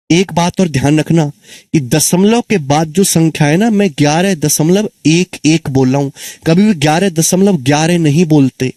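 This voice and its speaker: A man teaches an exam-prep maths lesson in a high voice. He repeats each answer and keeps asking his students questions. The sound is dry and close, with no room around it. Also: darkish tone, no room sound. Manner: calls students children and friends.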